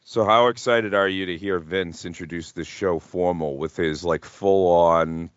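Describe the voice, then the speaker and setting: A man's voice: low voice, steady tone, unhurried, dry recording, dull audio. A man hosting a casual wrestling chat podcast, talking in a jokey, hyperbolic way with some swearing. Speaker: podcast host.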